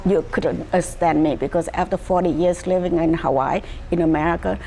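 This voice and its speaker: Older Vietnamese woman, low gravelly voice. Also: steady tone, mellow. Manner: slow and halting, with many pauses and fillers. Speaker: interviewee. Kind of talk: personal life story.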